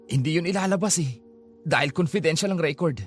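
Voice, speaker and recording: Brief: male horror-story narrator, slightly high voice, suspenseful delivery, music bed. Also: brisk.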